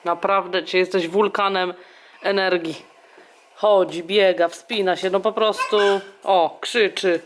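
A woman's voice: lowish voice, steady tone, a little slow, slight background noise. A woman vlogging at home with her baby daughter, exclaiming, laughing and talking both to the child and to the viewers. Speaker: vlogger mother. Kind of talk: casual home vlog. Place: home indoors.

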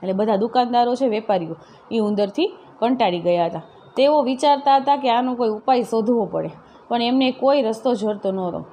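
A woman with a Gujarati accent teaching a story lesson, reading each line and then retelling it plainly for her pupils. Her voice sits a little high, and a faint hum of noise runs under the recording. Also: moderate pace, mellow. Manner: reads a line, then retells it in plain words with tag questions. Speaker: school teacher. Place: classroom-style video lecture.

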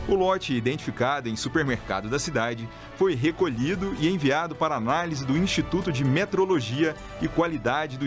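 A man from Brazil reading scripted local news as a radio presenter, in a steady announcer delivery. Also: on the high side.

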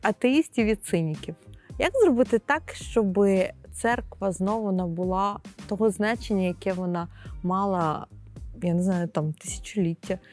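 A woman's voice: medium pitch, moderate pace, a little mellow, faint music behind. A woman in her thirties interviewing a guest, asking short, polite questions and acknowledging answers.

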